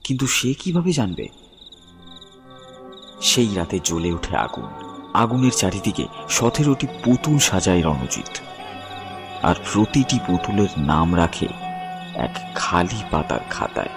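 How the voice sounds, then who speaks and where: A man narrating a scripted horror story in a solemn, measured, dramatic way with pauses. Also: low voice, very animated, gravelly. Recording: long reverb, music bed behind voice.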